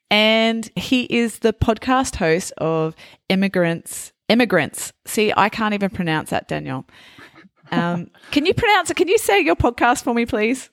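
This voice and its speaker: A woman hosting a podcast interview, chatty and quick to laugh, asking many questions. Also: mid-range voice, no echo, studio quality. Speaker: podcast host. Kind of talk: casual interview.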